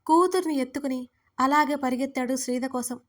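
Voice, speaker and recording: A woman tells a dramatic audio story in a high voice. She reads the characters' dialogue without changing her voice much and keeps an even storytelling delivery. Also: fairly quick. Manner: reads all characters' lines with little change of voice. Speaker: narrator. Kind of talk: storytelling narration.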